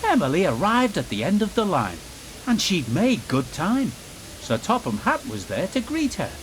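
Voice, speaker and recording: A man's voice: high voice, wildly swooping pitch, normal speed, a little hiss or hum, rough recording. A man narrating a scripted children's story as a storyteller.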